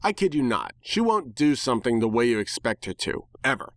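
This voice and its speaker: A man's voice: mid-range voice, very animated, brisk, a bit bright, dry recording, clean studio sound. A man giving a dramatic first-person story reading in a wry, sardonic, conversational way. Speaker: story reader. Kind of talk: dramatic first-person fan fiction narration.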